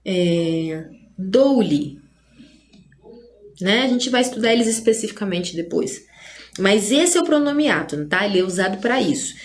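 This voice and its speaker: A woman with a Brazilian Portuguese accent gives a grammar lesson at a slow, unhurried pace. Her voice sits at a middle pitch. She explains patiently and keeps checking that her listeners are following. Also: expressive. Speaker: teacher.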